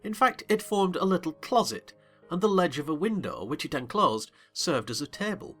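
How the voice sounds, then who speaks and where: A man narrating a dramatized classic novel in first person with a theatrical, expressive delivery, soft music beneath. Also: a little high, moderate pace, slightly rough. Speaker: audiobook narrator.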